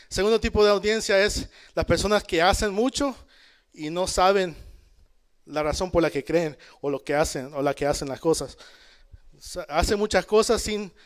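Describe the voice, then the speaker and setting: A man's voice: high voice, smooth. A man from El Salvador, teaching a Bible study to a church congregation in a conversational way, calling out amen and checking in with his listeners. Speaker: preacher. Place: church in Canada.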